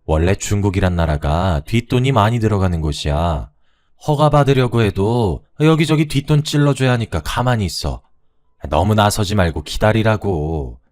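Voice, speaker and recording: A man's voice: on the low side, lively intonation, moderate pace, darkish tone, close to an everyday voice. A man playing a self-assured, coaxing business partner who is a swindler, in a radio story. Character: smooth-talking swindling business partner, middle-aged man.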